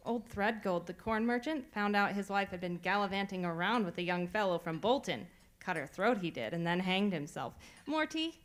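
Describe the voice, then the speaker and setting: A woman's voice: mid-range voice, animated, moderate pace, a little hiss or hum, close to an everyday voice. A woman playing a crabby, blunt village landlady in a radio play, with a grumbling, gossipy manner. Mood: bluntly gossipy. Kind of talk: radio theatre acting.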